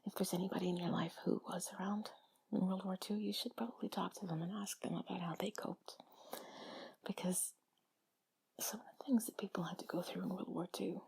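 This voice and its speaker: Breathy, whispering woman, hushed and reassuring. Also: lowish voice, steady tone, moderate pace, long pauses, low-quality recording. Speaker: audio creator speaking to listener. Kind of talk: intimate comforting whispered talk.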